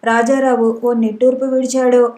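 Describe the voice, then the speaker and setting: A woman narrating a novel as an audiobook in a steady, even reading manner. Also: a little high, normal speed. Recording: roomy echo.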